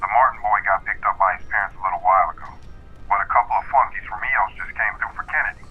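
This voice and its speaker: An actor playing a frank, world-weary police officer over a telephone in an audio drama, blunt and confiding. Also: male voice, on the low side, fast talker, narrow, tinny audio. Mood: grim, confiding. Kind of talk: naturalistic audio drama acting.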